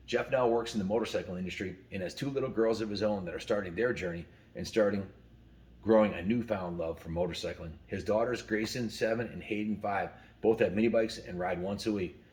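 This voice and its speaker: A man with a fairly low-pitched voice hosts a casual story time. He is folksy and enthusiastic, talking directly to his audience whether chatting or reading aloud. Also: a little fast, a little mellow. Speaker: host of a story time show.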